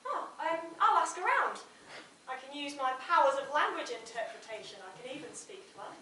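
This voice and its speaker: Heard across a noisy, reverberant hall, a woman plays a polite and eager flatterer in a comic pantomime. The voice is very high and distant from the mic. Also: a little fast. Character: polite, eager interpreter who flatters animals. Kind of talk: amateur comic pantomime stage acting. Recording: echoey hall, distant mic, clear noise.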